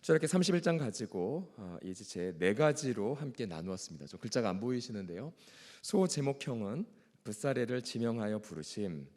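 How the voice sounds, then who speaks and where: The long reverb of a church hall surrounds a male pastor teaching a Bible class through lecture, reading and prayer. His fairly low, slightly mellow voice swings widely in pitch and moves a little fast, while his strained, ailing throat shows through a formal, earnest delivery.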